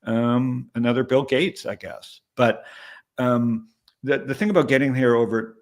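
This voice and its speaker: Here a man in his late fifties, a startup investor, gives a candid, rambling interview in a casual conversational setting. His pitch is medium, his tone even, and his delivery slightly slow, with regular "right?" check-ins.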